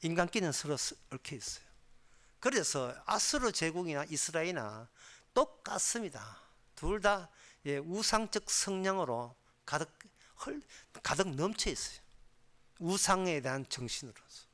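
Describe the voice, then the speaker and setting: A man's voice: a little high, very animated, normal speed, fairly bright tone. A man preaching a Wednesday sermon as pastor, explaining step by step and building to fervent, emphatic stretches, often cutting himself off to restart a word. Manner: emphatic, rising to fervent intensity; explanatory, with frequent self-corrections.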